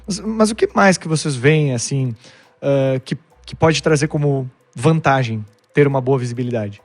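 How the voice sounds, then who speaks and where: A man's voice: medium pitch, normal speed. A man hosting a podcast, talking casually and jokingly with slang. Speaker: podcast host.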